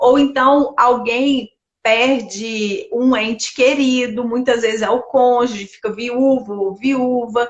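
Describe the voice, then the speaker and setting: A woman speaks in a high voice with a Minas Gerais accent. Her pace is very slow. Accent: Minas Gerais Brazilian Portuguese. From Minas Gerais, Brazil. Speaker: live stream host, doctor. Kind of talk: casual live interview. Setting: online live stream. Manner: talkative.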